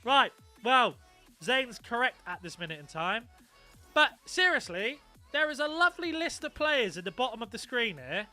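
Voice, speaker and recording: A man's voice: very high voice, sing-song, moderate pace, bright, forceful tone, soft background music. A young man chatting casually on a live stream, swearing freely and reacting to his viewers. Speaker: gaming streamer.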